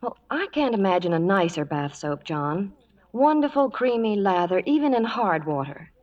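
A woman's voice: medium pitch, very animated, normal speed. A woman Hollywood reporter delivering scripted chat and soap promotion in 1940s radio style. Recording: muffled vintage radio recording.

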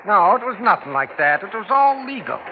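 Sardonic, higher-voiced bitter man. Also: big pitch swings, fairly quick. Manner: dry, sardonic. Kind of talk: old broadcast drama acting. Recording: muffled, noisy old drama soundtrack.

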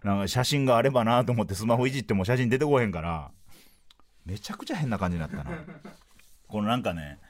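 Kansai guy in his 30s, lowish voice bouncing all over, telling funny stories on his podcast. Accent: Kansai Japanese. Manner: animated, acts out dialogue in quick bursts. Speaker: podcast host, comedian. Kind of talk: solo comedic storytelling.

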